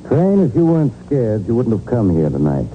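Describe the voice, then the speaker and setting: An actor playing a righteous, unbending special prosecutor in a 1940s radio drama, crisp, scornful and declamatory. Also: male voice, mid-range voice, wildly swooping pitch, brisk. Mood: scornful defiance. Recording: tinny old radio broadcast, faint noise.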